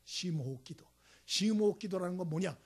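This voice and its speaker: A male pastor with a high, breathy voice preaches a brisk, emphatic sermon, swinging between loud exclamations and quiet hushed asides. He tells anecdotes and acts out the voices in them as he goes.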